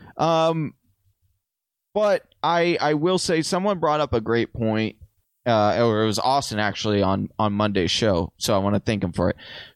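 A man's medium-pitched voice with very wide pitch swings and very even loudness, dry and close with no echo. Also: moderate pace. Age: 30s. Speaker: fantasy football podcast co-host. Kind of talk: casual chat.

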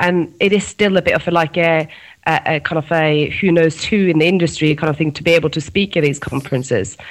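Talking at a very fast pace, a woman with a fairly low pitch speaks in a Norwegian accent. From Norway. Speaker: search agency owner. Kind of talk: casual chat.

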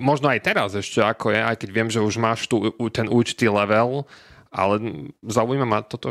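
Through a dry, close sound with no echo and a very clean recording with a silent background, a man speaks in a plain, everyday voice at a medium pitch and moderate pace, with ordinary pitch variation. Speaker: podcast host. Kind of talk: interview.

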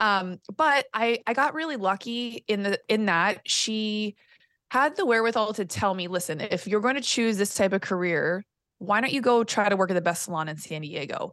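This woman has a normal speaking voice, fairly high in pitch, with lively intonation. The sound is dry and close with no echo, over a quiet background. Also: moderate pace. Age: 40s. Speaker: podcast coach and former beauty entrepreneur. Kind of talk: casual interview chat.

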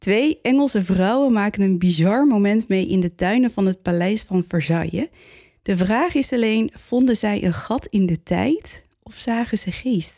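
A woman at medium pitch with a dark, mellow tone and lively intonation, at a fairly slow pace, in a dry, close sound with no echo. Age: 30s. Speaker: podcast host. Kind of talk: scripted narration; casual chat.

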